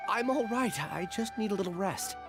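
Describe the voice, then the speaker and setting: A man voicing a gentle, apologetic young scholar in an anime-style video game, polite and hesitant. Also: high-pitched, moderate pace, over music. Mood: evasive.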